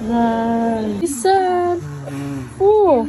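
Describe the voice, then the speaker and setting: A woman's voice: fairly high pitch, expressive, very slow, crowd noise. A woman with a Filipino accent doing casual vlog chat as a mother, slipping easily between languages. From Philippines. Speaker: vlogger and mother.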